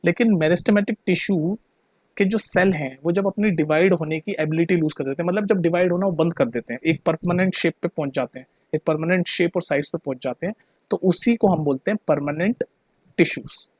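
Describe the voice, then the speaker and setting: High-voiced chatty male teacher. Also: a little fast, a little mellow, slightly rough, dry recording. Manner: chatty, keeps checking the listener understands; mixes Hindi with English terms. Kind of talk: casual classroom explanation.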